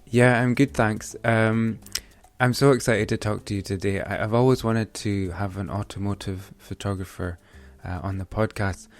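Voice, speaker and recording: A low-pitched man with a gravelly, creaky edge hosts a photography podcast. He talks eagerly and chattily, restarting his sentences as he goes, and faint music sits under his voice. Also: fairly even intonation, normal speed. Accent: Scottish. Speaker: podcast host. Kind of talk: podcast interview.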